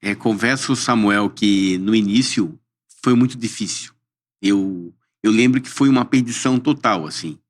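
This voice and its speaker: A man, a podcast guest speaking in a measured, earnest way. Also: on the low side. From southern Brazil. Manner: measured, earnest, often says "perfeitamente". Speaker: interview guest. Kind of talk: interview chat.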